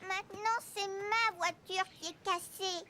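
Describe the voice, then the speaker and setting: An actor voicing a curious, excitable four-year-old boy in a French preschool cartoon, talking with wide-eyed childlike questioning. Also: very high voice, measured pace, background noise. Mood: plaintive. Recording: loud music bed behind the voice.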